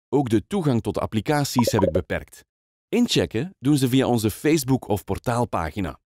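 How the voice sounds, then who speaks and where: A man's voice: medium pitch, a little mellow, slight background noise. A man with a Flemish accent reading a scripted commercial in a conversational way, speaking directly to the listener. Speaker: voice-over artist.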